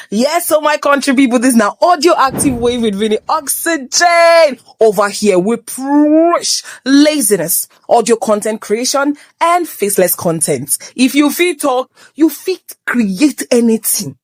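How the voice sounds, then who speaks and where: A young Nigerian woman hosts a motivational talk, slipping between English and Pidgin as she teases and scolds. Her voice sits fairly high and jumps all over the place. It is recorded on a phone, close and dry. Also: a little mellow, no room sound. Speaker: host.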